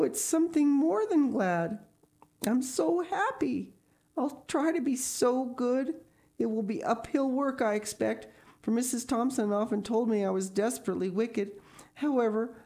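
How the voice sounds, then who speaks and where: A woman's voice: high voice, gravelly, warm tone, pitched above the performer's own voice, heavily acted. A woman voicing a thin, imaginative orphan girl in a storybook, earnest, effusive and pleading.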